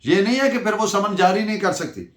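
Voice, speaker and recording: A man's voice: high-pitched, animated, brisk. A man with a Pakistani accent giving a didactic lecture, posing questions and answering them himself, dictating references and switching between two languages. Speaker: law lecturer. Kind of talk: lecture with case-law dictation. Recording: echoey room sound.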